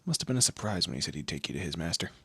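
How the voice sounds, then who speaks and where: Audio roleplay demon lord, played by a man: low and bright-edged, close and dry, haughty, teasing, drawlingly condescending. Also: big pitch swings, very fast, husky, dry recording, full character voice. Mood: amused, curious. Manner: theatrical, condescending, drawling, with amused asides. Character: smug, teasing male demon lord, proud torturer and bureaucrat. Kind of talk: scripted audio roleplay addressed to the listener.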